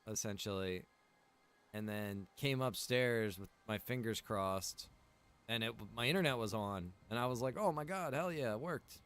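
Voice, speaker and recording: A man's voice: lowish voice, moderate pace, a bit bright, smooth. A man chatting casually on a gaming stream in a rambling, casually profane way. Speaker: streamer playing a roleplay survival game.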